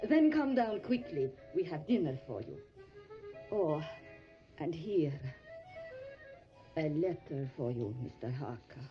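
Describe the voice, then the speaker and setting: A woman playing a hospitable, anxious Transylvanian innkeeper in an audio drama, with an Eastern European accent and halting, solicitous phrasing. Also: low voice, big pitch swings, heavily acted. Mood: welcoming, eager. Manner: halting foreign phrasing, tag questions, solicitous. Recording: dull lo-fi audio, faint music. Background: music.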